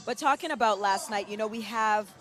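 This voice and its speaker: A woman's voice: medium pitch, a little fast. A woman broadcast co-host gives live parade commentary. She chats in an upbeat, celebratory manner, effusive about the event, with a mid-range voice.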